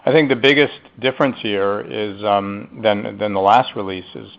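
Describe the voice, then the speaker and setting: A man executive answering analyst questions on an earnings call, measured and emphatic on key points. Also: lowish voice, fairly even intonation, creaky. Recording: muffled conference call audio.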